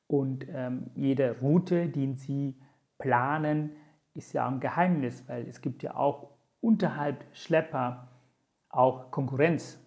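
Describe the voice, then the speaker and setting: Gravelly man, Tamil native, recounting slowly. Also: mid-range voice, a little mellow. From Sri Lanka. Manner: many hesitation fillers, earnest and reflective. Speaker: interview guest. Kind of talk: conversational storytelling.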